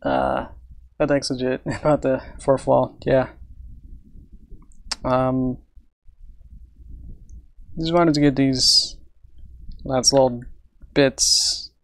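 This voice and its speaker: A man on a casual live stream, rambling with many fillers and soft laughs while he works, sounding tired and a little out of breath. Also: mid-range voice, little pitch movement, very slow, creaky, pauses often.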